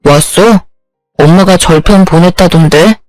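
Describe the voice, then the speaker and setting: A man's voice: high voice, a little slow, a little mellow, no echo, faint music behind, rough recording. A man voicing a selfish young husband who brushes off his wife's complaints in an offhand tone, dry close recording. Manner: offhand, dismissive. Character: dismissive selfish young husband, mama's boy.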